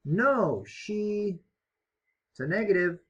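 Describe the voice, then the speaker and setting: Slow, encouraging man teaching English. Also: high-pitched, expressive, fairly bright tone, husky, highs cut off. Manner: slow, encouraging, explains step by step. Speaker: ESL teacher. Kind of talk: online English lesson.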